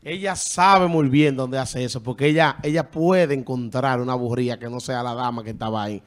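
A man co-hosting a talk show, exclaiming and talking over others in excited casual chat. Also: medium pitch, brisk.

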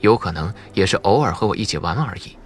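A man voicing a calm, watchful adult man, matter-of-fact and cautionary, frank with children, in an audiobook story. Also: deep voice, quick pace. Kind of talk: audiobook character dialogue.

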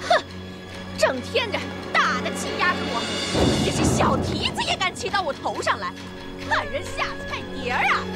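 An actress playing a bitter, furious middle-aged concubine in a period TV drama, shrieking and scolding. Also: female voice, very high-pitched, huge pitch swings, normal speed, pauses often, over loud music, full character voice. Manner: shrieking, scolding, spitting insults.

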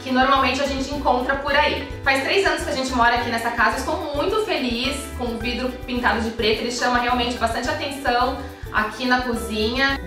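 High-voiced Brazilian woman in echoey kitchen. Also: fairly quick. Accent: Brazilian Portuguese. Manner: chatty, friendly, talks with her hands, frequent restarts. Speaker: home organization vlogger. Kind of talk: casual explainer vlog. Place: modern home kitchen, indoors. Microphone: camera at medium distance. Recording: echoey, distant, with background music.

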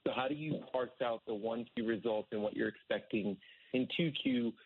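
A man's voice: medium pitch, moderate pace, slightly rough. Male analyst over a tinny phone line. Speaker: financial analyst caller. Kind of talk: prepared, formal question on a conference call.

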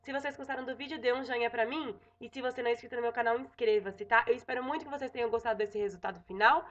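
A woman's voice: on the high side, fairly even intonation, very fast. Chatty Brazilian woman, dull lo-fi sound. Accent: Brazilian Portuguese. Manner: chatty, frequent "tá?" check-ins and self-corrections. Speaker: cooking vlogger. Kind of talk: casual cooking tutorial. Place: home kitchen.

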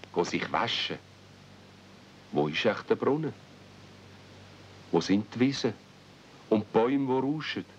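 Male narrator, Swiss German accent, deep voice, children's radio-play storytelling, muffled tape. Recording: muffled, noisy old cassette with rumble.

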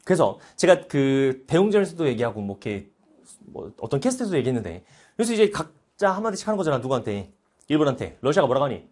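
A man in his thirties teaching history in a lively lecture, animated and playful, breaking into joking voices. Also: medium pitch, quick pace. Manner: animated, playful, puts on mock foreign voices.

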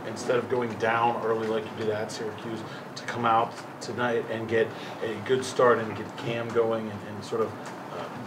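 Monotone reporter heard from a distance. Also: male voice, mid-range voice. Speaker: sports reporter. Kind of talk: press conference question. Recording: distant room mic with noise.

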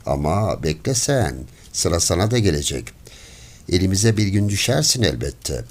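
A man voicing a poor peasant man who pleads desperately and then rages and shouts, in an audiobook story. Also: sits low, sing-song, moderate pace, exaggerated voice. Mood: furious. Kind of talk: audiobook character voice.

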